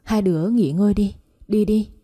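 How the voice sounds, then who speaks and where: A woman puts on an elderly mother, tearful and emotional, in a mellow, breathy tone. The voice stays soft and warm, with a husky edge. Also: medium pitch, moderate pace, close to an everyday voice.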